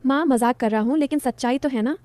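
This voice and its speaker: Woman doing a young stepson, pleading, suggestive, mellow tone, dry close sound. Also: high-pitched, fast, dry recording, close to an everyday voice. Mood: coaxing.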